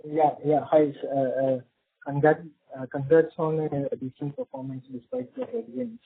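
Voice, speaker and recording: A man, a fund analyst calling in, halting and repeating words as he asks. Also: a little high. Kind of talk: earnings call question. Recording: gravelly voice on tinny phone line.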